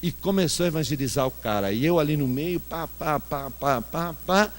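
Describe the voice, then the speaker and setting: A male pastor with a slightly high voice preaches at a moderate pace, spinning self-mocking anecdotes as an animated storyteller. The sermon was recorded in a church hall with long reverb.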